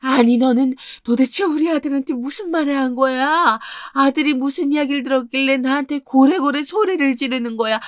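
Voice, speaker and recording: A woman's voice: high voice, fairly quick, few pauses, dry recording, studio quality, pitched above the performer's own voice, close to an everyday voice. A woman voicing a domineering older mother-in-law who scolds indignantly. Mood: angry scolding.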